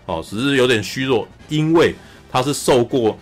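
A man talks about a film on a podcast in a casual, lively way, acting out scenes and often saying "you know". His voice is husky and sits at a medium pitch. Faint music plays behind him. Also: moderate pace. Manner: animated, acts out scenes, says "you know" a lot. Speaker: podcast co-host. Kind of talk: casual film review chat.

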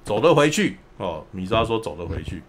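Fast-talking man recapping a film. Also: on the low side, a little hiss or hum. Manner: animated storyteller, often acts out quotes. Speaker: podcast host. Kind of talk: casual film recap chat.

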